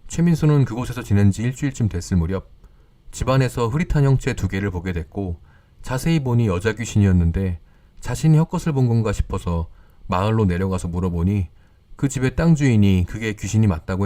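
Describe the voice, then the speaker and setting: A man calmly narrating scripted horror stories in a measured, storytelling way. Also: lowish voice.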